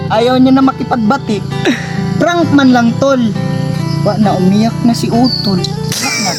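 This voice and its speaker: A man vlogging a prank, scolding someone in mock anger and then coaxing and apologizing. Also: extremely high pitch. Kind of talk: casual prank vlog.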